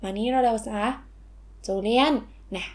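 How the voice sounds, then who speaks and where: A woman's voice: a little high, steady tone, a little slow, darkish tone. A woman voicing a mother in a toy story, firm and lecturing toward her son. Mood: stern. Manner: firm, lecturing, sweet endings. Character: stern but caring mother scolding her son.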